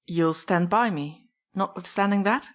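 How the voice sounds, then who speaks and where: A woman's voice: medium pitch, measured pace, fairly bright tone, lightly acted. A woman reading an audiobook, voicing a composed man who speaks curtly and firmly. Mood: calm. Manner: curt, firm. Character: composed adult man, curt and commanding.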